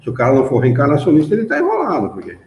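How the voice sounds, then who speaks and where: A man's voice: a little high, wildly swooping pitch, rapid-fire, a little mellow, a little hiss or hum. A man with a Brazilian accent leading a spiritist study class, explaining texts and asking the group rhetorical questions. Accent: Brazilian Portuguese. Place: meeting room of a study association. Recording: roomy, dull lo-fi room recording.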